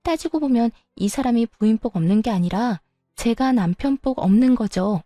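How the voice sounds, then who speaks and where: A woman's voice: on the high side, animated, normal speed, dark tone, no echo, clean studio sound, soft background music, close to an everyday voice. A woman voicing a fed-up young sister-in-law who talks back firmly. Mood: exasperated. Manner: firm, exasperated. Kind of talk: storytelling dialogue.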